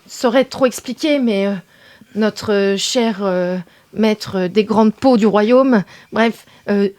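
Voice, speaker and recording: A woman's voice: medium pitch, takes it slowly, darkish tone. A woman playing in-character in a tabletop game, hesitant and laughing. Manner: hesitant, laughing, slips into formal in-character speech. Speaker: player.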